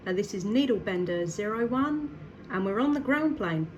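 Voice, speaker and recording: A woman's voice: medium pitch, animated, moderate pace, dull audio. A woman CB radio operator making casual contact chat in an upbeat, encouraging way. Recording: clear background noise.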